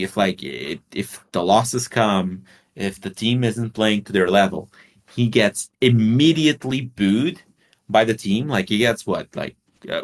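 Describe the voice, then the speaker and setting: A man from Portugal co-hosting a casual sports podcast, talking bluntly with swearing and rambling explanations. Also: on the low side. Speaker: podcast co-host.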